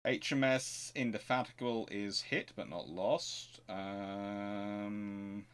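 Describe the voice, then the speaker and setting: A man's voice: lowish voice, fairly even intonation, slow, a bit bright, clear, resonant tone. A man hosting a naval history show, speaking informally as he answers questions and reads aloud, often correcting himself. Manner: hesitant, thinking aloud, self-correcting.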